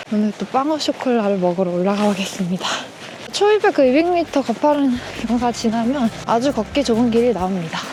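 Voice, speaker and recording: A woman with a fairly high pitch talks at a fairly quick pace. Her intonation is lively, and there is noticeable background noise. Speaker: hiking vlogger. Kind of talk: vlog narration while hiking. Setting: outdoors on a mountain trail. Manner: casual, chatty.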